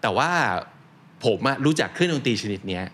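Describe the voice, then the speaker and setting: A man with a Thai accent hosting a relaxed conversation and sharing his own stories in Thai and English. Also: medium pitch, a little fast. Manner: reflective, tells anecdotes. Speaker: host.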